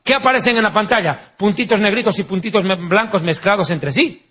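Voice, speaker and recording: A man's voice: sits high, brisk, a bit bright. A man preaching a sermon in Spanish-language style, mixing teaching with anecdotes and jokes, asking rhetorical questions and acting out quoted voices.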